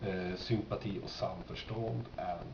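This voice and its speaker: Swedish guy with a lowish voice chatting about his collection, stops and starts a lot, really echoey room and muffled noisy sound. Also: steady tone, creaky. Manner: halting, pausing mid-sentence. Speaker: record collector presenting finds. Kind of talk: casual unscripted show-and-tell. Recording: dull, echoey, noisy amateur room recording.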